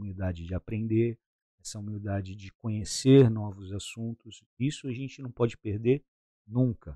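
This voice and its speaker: Against a quiet background, a man talks at a moderate pace and a fairly low pitch, his tone dark and mellow, his sound dry and close with no echo, his pitch varying in an ordinary way and his loudness swinging widely. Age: 50s. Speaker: podcast co-host, ex-military. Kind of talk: casual interview chat.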